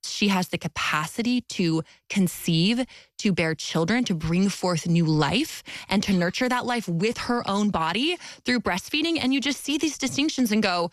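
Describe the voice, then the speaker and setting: A woman author talking as a guest in an interview, with a loud voice and expressive delivery that often leaps high in pitch. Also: moderate pace, dry recording, clean studio sound. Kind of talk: faith-based interview talk.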